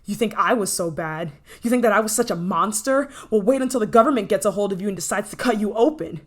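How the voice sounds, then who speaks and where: A woman's voice: medium pitch, close to an everyday voice. A woman playing an obsessive, menacing scientist in an intense, possessive ASMR roleplay. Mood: menacing, taunting. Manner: intense, pleading, possessive, dramatic pauses. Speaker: voice actor in audio roleplay.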